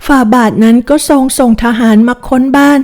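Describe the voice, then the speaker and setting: A woman's voice: high voice, fairly even intonation, normal speed, a little mellow, voice pushed up, lightly acted. A woman voicing a timid young maid who speaks hesitantly and politely to her mistress. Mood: frightened. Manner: hesitant, polite servant speech.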